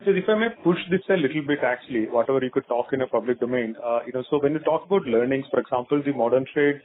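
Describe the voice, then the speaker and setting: A man's voice: medium pitch, fast. A man with an Indian accent asking questions as a financial analyst, wordy, hedging and deferential. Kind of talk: spontaneous questioning on an earnings call. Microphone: phone line. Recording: tinny phone conference line.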